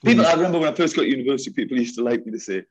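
A man from northeast England with a Geordie accent, a teacher talking animatedly in an interview, jokey and quick to repeat himself. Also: medium pitch, rough recording. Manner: lively, jokey, repeats words.

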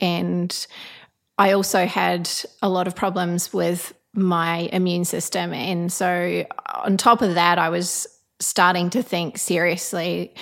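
A woman in her late thirties from New Zealand with a blended New Zealand and Australian accent, a guest chatting casually and reflectively in a home kitchen, laughing often. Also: on the low side. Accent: New Zealand, with some Australian. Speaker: guest, architect turned business coach. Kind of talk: casual interview chat.

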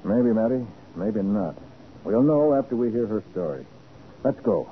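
An actor playing a shrewd, commanding American private detective, measured and probing, in a 1940s radio crime drama. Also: male voice, fairly low pitch, animated. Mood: shrewd, calm. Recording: muffled noisy 1940s radio recording.

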